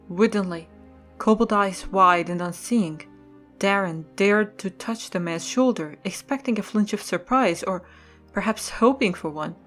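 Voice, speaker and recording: Female story narrator over soft music. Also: medium pitch. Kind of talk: scripted story narration for an audio drama.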